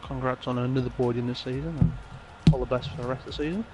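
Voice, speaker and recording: A man's voice: medium pitch, fairly even intonation, quick pace, loud music behind the voice, low-quality recording. Man asking lighthearted post-race questions. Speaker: interviewer. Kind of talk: casual interview.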